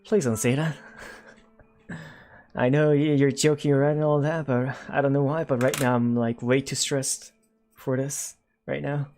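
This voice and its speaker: A man's voice: mid-range voice, steady tone, measured pace, long pauses, darkish tone, faint music behind. Rambling young man chatting on stream. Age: 20s. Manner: rambling, many fillers and self-corrections. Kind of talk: casual livestream chat while drawing, reading viewer comments.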